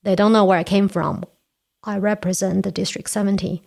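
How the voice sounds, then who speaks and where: A podcast guest in her forties, she is a Toastmasters area director from China who grew up speaking Korean. In a casual interview, her steady, mid-range voice runs a little fast, gravelly yet a little mellow, as she earnestly explains each step.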